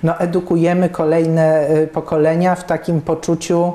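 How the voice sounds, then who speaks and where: A woman's voice: sits low, little pitch movement, moderate pace, dark tone, roomy sound. A woman in her fifties interviewing a guest, talking thoughtfully with many fillers and restarts. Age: 50s. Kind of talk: conversational interview. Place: office room with plants and bookshelves.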